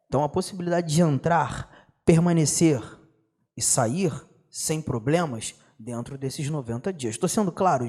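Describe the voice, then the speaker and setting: A young adult law teacher with a Brazilian Portuguese accent delivers an exam-prep law lecture, slangy and animated, constantly throwing rhetorical questions at students. His voice is on the high side.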